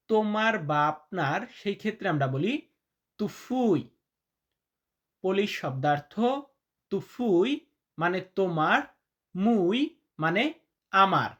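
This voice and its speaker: A man teaching vocabulary in a lesson, repeating each word slowly and deliberately, chatty and calling his listeners brother. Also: high voice, a bit bright, highs cut off. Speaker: language teacher.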